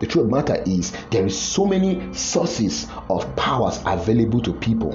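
Over noticeable background noise, a man speaks at a medium pitch and a moderate pace, his voice making very wide pitch swings. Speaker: podcast Bible teacher. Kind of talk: sermon. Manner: preachy, emphatic with repetitions.

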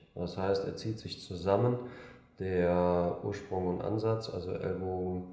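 Very slow and very deep, a man's low voice holds a fairly even intonation. Audible room echo and noticeable background noise surround it. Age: 30s. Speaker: sports science lecturer and martial arts gym owner. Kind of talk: interview. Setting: quiet locker room at university sports center.

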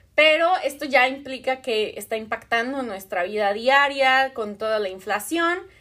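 On a very clean recording with a silent background, a woman projects a raised, high-pitched voice with a bright, sharp tone and an animated tone, using lively intonation at a fairly slow pace with hardly any pauses. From Mexico. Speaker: podcast host and study-abroad advisor. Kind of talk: live-stream casual chat with viewers.

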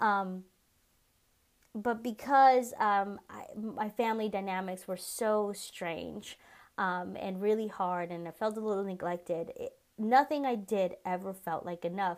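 At a fairly slow pace, a woman at a medium pitch talks with ordinary pitch variation in a normal speaking voice, recorded very cleanly against a silent background. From US inner city, child of immigrants. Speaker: spiritual teacher and podcast host. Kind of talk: solo podcast monologue. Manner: casual with frequent fillers.

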